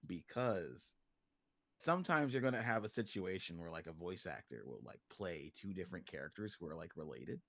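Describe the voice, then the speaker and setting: A man's voice: low-pitched, animated, normal speed, a bit bright, no room sound. A man chatting casually and jokingly as a guest animation director on a livestream. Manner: joking, informal, laughs easily.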